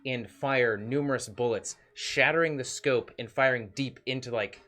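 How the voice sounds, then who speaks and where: A man's voice: mid-range voice, normal speed, sharp tone. A man narrating a tabletop role-playing game as game master, filling his descriptions with ums and likes. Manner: hesitant, many ums and likes.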